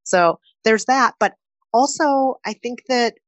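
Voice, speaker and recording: A woman in her thirties from Minnesota with a Minnesota accent, answering interview questions in a chatty, animated way with frequent fillers and laughter. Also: fairly high pitch, takes it slowly, dry recording. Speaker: podcast host, interviewee. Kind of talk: conversational interview.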